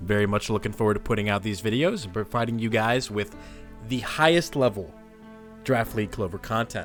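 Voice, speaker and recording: A man's voice with music in the background. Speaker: gaming content creator. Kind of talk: casual commentary to viewers.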